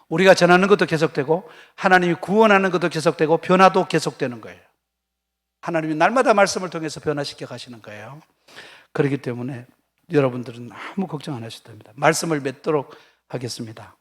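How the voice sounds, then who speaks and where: A man's voice: on the high side, fast talker, fairly bright tone. An older man preaching a revival sermon as a pastor, telling stories with acted quotes and questions put to the congregation. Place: church sanctuary.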